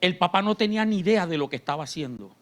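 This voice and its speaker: A man pastor, preaching a sermon in church. His delivery swings between shouted fervor and quiet, confiding talk. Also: high-pitched, expressive, fast. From Colombia. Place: church sanctuary.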